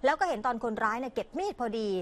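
A woman news reporter narrating a crime story in a brisk, polite news delivery. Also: on the high side, animated.

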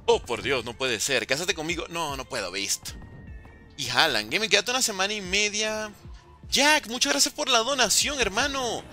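A man's voice: high voice, normal speed, faint music behind. A man streaming a zombies game live, talking to his chat, thanking donors and yelping in alarm when things go wrong. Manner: excitable, yelps and repeated cries of alarm; chatty with viewers, thanks donors. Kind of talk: live gameplay commentary, reading chat.

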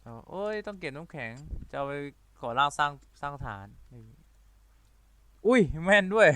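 A man giving excitable let's-play commentary, talking in rapid-fire bursts with playful loud exclamations. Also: on the high side, slight background noise. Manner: rapid-fire talker who admits he talks too fast and runs out of breath. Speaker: gaming video creator.

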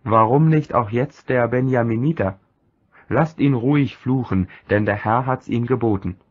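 A man's voice: mid-range voice, normal speed, a little mellow, natural voice. Resigned old king, solemn, patient, man reading, muffled sound. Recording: dull lo-fi recording.

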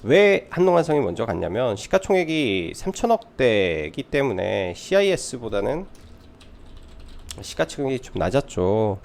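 A man's voice: mid-range voice, very animated, moderate pace, vocal fry, darkish tone. A man giving live stock market commentary as a trading adviser, explaining things by posing questions and answering them.

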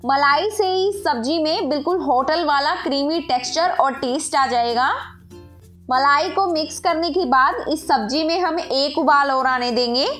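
High-voiced woman explaining a recipe. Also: a little slow, fairly bright tone, faint music behind. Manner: instructive, addresses viewers directly. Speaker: cooking channel host. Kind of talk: step-by-step recipe narration.

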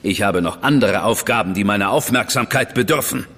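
An actor playing a stern, impatient official in a German radio drama, curt and disapproving. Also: male voice, on the low side, brisk, a bit bright, big-room sound.

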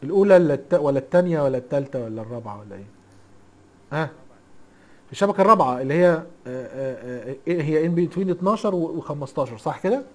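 An IT instructor with an Egyptian accent runs a casual recorded lesson, his voice a little high, animated and very fast. He's chatty and teasing, forever quizzing the class with rhetorical questions.

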